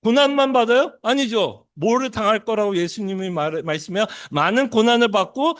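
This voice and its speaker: Male preacher, animated delivery with big swings in pitch, keeps questioning the congregation. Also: moderate pace. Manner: asks the congregation many questions, acts out disciples' lines. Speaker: pastor. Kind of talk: sermon.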